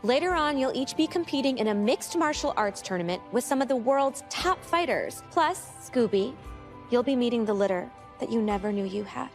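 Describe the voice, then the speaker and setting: A woman's voice: on the high side, animated, normal speed, faint music behind. A woman playing a polished, reassuring host of a scripted comedy reunion special. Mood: upbeat, presenting. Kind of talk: bright scripted TV presenting in a comedy.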